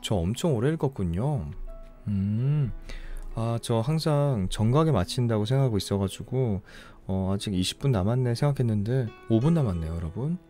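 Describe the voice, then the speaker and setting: A tired young man from Ulsan, hosting a late-night reading stream, chatting softly and unhurriedly as he thanks listeners. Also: medium pitch, lively intonation, soft background music. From Ulsan, South Korea. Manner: soft, unhurried, apologetic and thankful. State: tired after a long broadcast. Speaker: book-reading livestream host. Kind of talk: casual chat reading listener comments.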